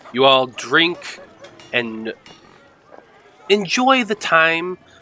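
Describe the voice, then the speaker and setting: There is noticeable background noise behind a man's voice. His pitch is fairly high and swings very widely. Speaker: game master of tabletop role-playing game. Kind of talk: tabletop game narration and table talk. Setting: online livestream with players.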